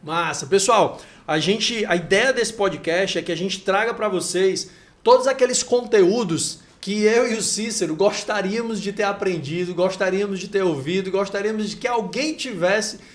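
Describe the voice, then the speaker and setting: Upbeat high-voiced male podcast host. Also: normal speed. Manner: upbeat, enthusiastic introductions. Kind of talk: podcast hosting and interviewing.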